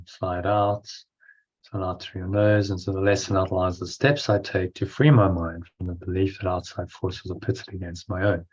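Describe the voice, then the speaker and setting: A man leading a guided breathing meditation as a teacher, giving instructions in short phrases with pauses and reading out affirmations. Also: low voice, darkish tone. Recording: dull, lo-fi sound.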